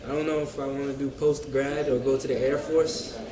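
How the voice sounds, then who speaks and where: A young American university student answers interview questions casually from a busy cafe, with chatter around him and a roomy echo on his voice. His mid-range voice runs a little fast, yet his pace feels easy and relaxed. He's hesitant, filling gaps and repeating himself often.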